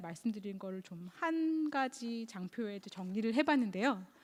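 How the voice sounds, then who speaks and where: A woman with an ordinary speaking voice at a moderate pace. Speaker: insurance researcher presenting at forum. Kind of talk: conference presentation.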